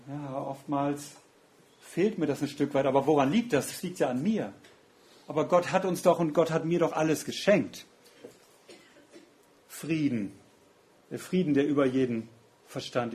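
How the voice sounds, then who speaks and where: Earnest male preacher, fairly high voice. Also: normal speed, pauses often, darkish tone. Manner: earnest, reflective, asks rhetorical questions. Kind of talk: sermon.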